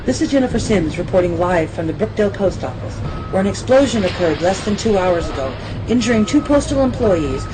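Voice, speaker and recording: A woman playing a determined young female TV news reporter in an amateur radio drama, brisk and earnest, on a noisy recording. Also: fairly low pitch, lightly acted.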